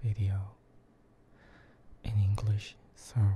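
A man speaks very slowly in a somewhat breathy, dark, mellow voice, fairly low and monotone with flat intonation. Light background noise can be heard. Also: dry sound with no echo. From Korea. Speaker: ASMR creator. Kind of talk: ASMR tapping video, soft talk to camera. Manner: soft, whispering, hesitant. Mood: slightly nervous, hesitant. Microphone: studio mic.

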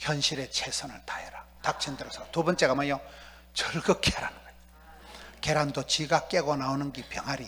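Here a man talks at a moderate pace in a fairly high pitch. His loudness swings widely. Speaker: pastor. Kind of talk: sermon. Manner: animated; humorous colloquial. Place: church. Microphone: handheld.

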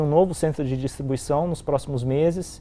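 A man speaks at a moderate pace with a dark, mellow tone, a fairly high pitch and fairly even intonation. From Brazil, Espírito Santo (Vitória). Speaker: business executive; guest. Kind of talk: TV interview. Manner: halting. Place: studio. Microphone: lapel.

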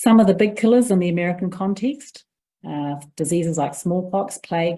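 Against a quiet background, a woman with a New Zealand accent talks in a fairly low pitch with a dark, mellow tone. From New Zealand, Māori (Ngāti Raukawa). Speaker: law professor. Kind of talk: lecture. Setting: video call. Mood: serious, measured. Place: home room. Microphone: webcam.

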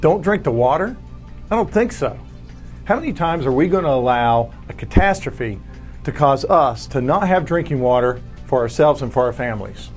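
A man speaks at a moderate pace while faint music plays in the background. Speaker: company spokesperson. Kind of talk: infomercial pitch. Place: studio. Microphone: lapel.

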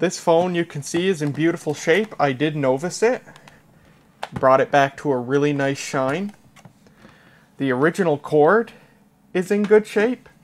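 The speech moves at a moderate pace with long, frequent pauses. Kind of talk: casual show-and-tell demo. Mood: enthusiastic hobbyist. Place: home room. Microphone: phone near.

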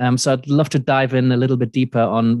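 Against a quiet background, a man talks at a medium pitch. His pace is moderate, and the sound is dry with no echo. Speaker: podcast host and coach. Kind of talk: casual chat. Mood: friendly, engaged. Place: home room. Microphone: studio mic.

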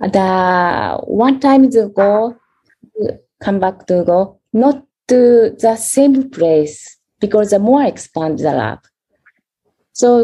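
A woman with a Japanese accent speaks very slowly with long, frequent pauses, lively intonation and a dark, mellow tone. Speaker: spiritual practitioner sharing in a group session. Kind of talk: personal sharing in a group discussion. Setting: video call. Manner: halting. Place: home room. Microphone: video call.

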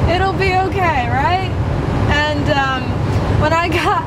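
A woman at a fairly slow pace, dry sound with no echo, loud background noise behind her. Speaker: truck driver vlogger. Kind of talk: casual vlog chat. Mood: warm, amused storytelling. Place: car. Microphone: camera far.

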